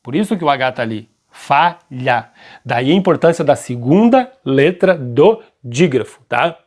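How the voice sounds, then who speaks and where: A man teaching a grammar lesson, keeps checking in with his students and slows down to stress key points. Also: mid-range voice, lively intonation, darkish tone. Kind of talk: classroom-style grammar lesson.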